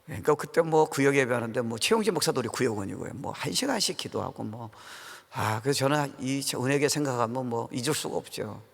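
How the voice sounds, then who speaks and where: A middle-aged man with an expressive, creaky, medium-pitched voice delivers a fast revival sermon as a guest pastor. Speaking to a congregation in a large church sanctuary with reverberant hall acoustics, he stays informal and earnest, frequently putting questions to the crowd.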